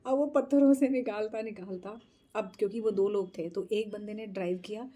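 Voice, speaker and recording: A woman vlogger casually recounting a travel adventure, animated and laughing often, slipping English phrases into her talk. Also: medium pitch, normal speed. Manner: mixes English phrases into speech. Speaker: tarot channel host.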